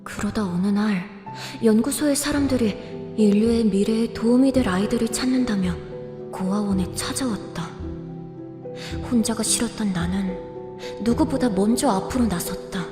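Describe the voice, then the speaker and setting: A woman's voice: mid-range voice, moderate pace, close to an everyday voice. A woman playing a frightened, lonely orphan boy in an audio drama, plaintive and emotional. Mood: sorrowful narration. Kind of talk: audio drama acting and first-person narration. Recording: reverberant, echoey, music behind.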